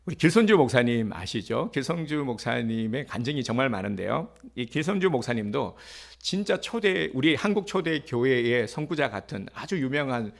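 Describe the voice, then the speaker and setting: A man's voice: medium pitch, big pitch swings, normal speed, vocal fry, hardly any pauses. A male pastor giving a sermon in a conversational way, with fillers, rhetorical questions and acted-out quotes.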